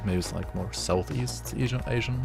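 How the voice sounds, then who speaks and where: A man's voice: on the low side, normal speed, vocal fry, music in the background. A man streaming a game, chatting casually and rambling with his viewers as he thinks aloud. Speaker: gaming livestreamer. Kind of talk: casual chat with viewers while gaming.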